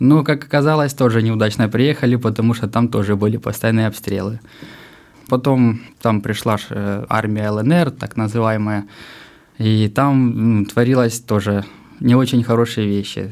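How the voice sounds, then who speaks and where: At a moderate pace and medium pitch, a man speaks with fairly even intonation, leaving long, frequent pauses. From eastern Ukraine, Luhansk region. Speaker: neurologist. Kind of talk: interview. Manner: halting.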